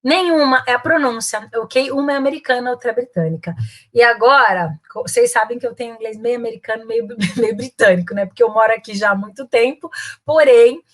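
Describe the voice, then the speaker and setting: A woman with a Brazilian accent teaching English in a casual, chatty way, ending phrases with tag questions and saying English examples slowly and carefully. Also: a little high. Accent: Brazilian Portuguese. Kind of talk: casual online English lesson.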